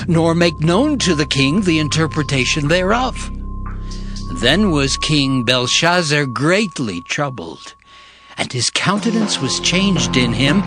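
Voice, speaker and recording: A man narrating scripture dramatically, with measured, solemn storytelling delivery. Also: on the high side. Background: loud music.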